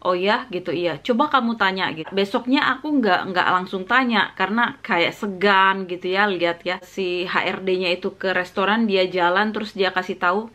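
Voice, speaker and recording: A woman's voice: medium pitch, normal speed, few pauses, sharp tone. Chatty woman retelling a work story. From Indonesia. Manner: recounts dialogue, mixes in English phrases, frequent fillers. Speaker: vlogger. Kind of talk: casual storytelling vlog.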